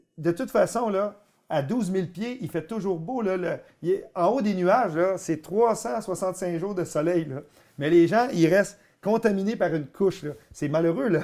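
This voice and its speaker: On a very clean recording with a silent background, a man with a Quebec accent speaks in a high, dark, mellow voice with ordinary pitch variation. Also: moderate pace. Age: 40s. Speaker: motivational speaker. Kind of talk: interview. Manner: animated.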